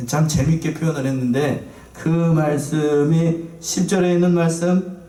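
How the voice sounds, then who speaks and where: A man preaching a sermon as pastor, lively and playful, asking his congregation questions. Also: a little high, a little slow. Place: church sanctuary. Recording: echoey church from far off.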